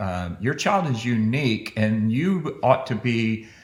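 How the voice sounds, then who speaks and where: A man talks at a medium pitch with lively intonation. His voice is somewhat breathy. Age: 60s. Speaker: youth and college sports expert. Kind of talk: podcast interview. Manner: halting, frequent restarts and fillers.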